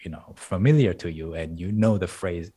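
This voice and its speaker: A man's voice: low voice, moderate pace, dark tone, husky. A man whose first language is Korean, speaking English in a casual interview and explaining language ideas with examples and analogies. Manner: thoughtful, explains with examples and analogies, laughs lightly. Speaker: guest, Korean language teacher.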